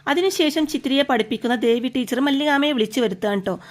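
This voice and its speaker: Chatty higher-voiced woman retelling a serial. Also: fast. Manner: chatty, keeps adding a friendly tag word, acts out the quoted lines a little louder. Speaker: serial recap narrator. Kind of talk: casual retelling of a TV serial episode.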